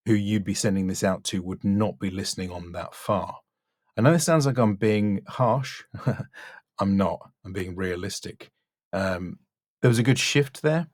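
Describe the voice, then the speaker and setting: Man, low voice, dry close sound, blunt coaching feedback, emphatic yet encouraging. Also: a little mellow, no room sound. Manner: blunt but encouraging, emphatic, deliberate pauses. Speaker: voice-over demo coach and reviewer. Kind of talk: spoken critique and coaching.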